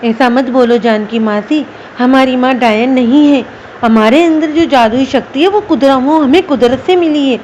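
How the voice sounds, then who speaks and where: A woman's voice: sits high, normal speed, a little mellow, slight background noise, lightly acted. A woman voicing an earnest, brave young magical daughter in a storybook tale. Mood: defiant.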